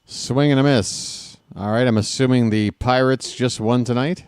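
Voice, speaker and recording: Casually calling a live baseball game, this fan broadcaster in his late forties blends play-by-play with sarcastic, wry asides and grumbling, turning loud and animated during rants. His mid-range voice is smooth at a normal speed, recorded at studio quality without echo.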